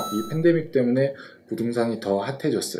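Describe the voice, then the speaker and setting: Noticeable background noise and audible room echo surround a man speaking with a Mongolian accent. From Mongolia, partly raised in Seoul. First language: Mongolian (speaking Korean). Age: 20s. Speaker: real estate agent. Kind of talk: interview.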